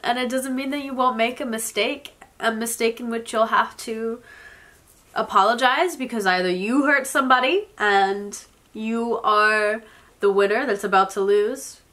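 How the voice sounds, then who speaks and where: Sniffly young woman w a cold, talking slow and soft, doing a tarot reading at home. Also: medium pitch. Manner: soft, slow and reflective, with occasional small laughs. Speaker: tarot reader. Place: indoors, in front of a floral blanket.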